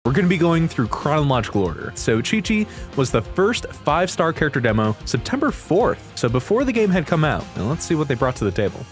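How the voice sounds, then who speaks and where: Animated young man reacting casually. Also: a little high, brisk. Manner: slangy, animated. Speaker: video host. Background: music.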